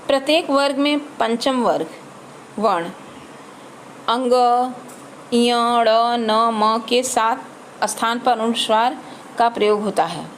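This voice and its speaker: A woman with a fairly high voice delivers a grammar lesson at a very slow pace, sounding out every letter and example word one at a time. Faint background noise runs beneath the recording.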